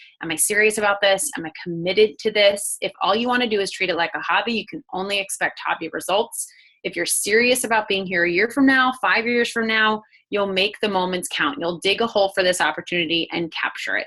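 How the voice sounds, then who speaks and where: A woman with an American accent and a bright, sharp tone talks at a fairly quick pace, her medium pitch showing ordinary pitch variation. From New York. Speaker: network marketing coach. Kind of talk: coaching talk on team call. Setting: conference call. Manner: fast.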